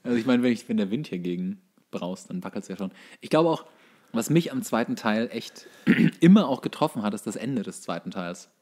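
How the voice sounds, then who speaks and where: Slightly low-voiced man, casual podcast co-host. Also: animated, a little fast, darkish tone. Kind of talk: casual film chat.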